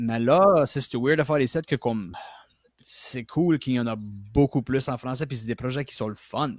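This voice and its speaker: A man with a Nova Scotia Acadian accent talks at medium pitch and a moderate pace, with ordinary pitch variation. The recording is very clean, with a silent background and a dry, close sound with no echo. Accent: Acadian French, Baie Sainte-Marie. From Nova Scotia, Baie Sainte-Marie. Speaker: actor. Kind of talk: casual interview chat. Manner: halting, many repetitions.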